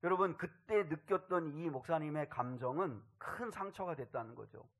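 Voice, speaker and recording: A man, a pastor, preaching a sermon in a storytelling way that builds to loud, impassioned outbursts. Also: fairly high pitch, moderate pace.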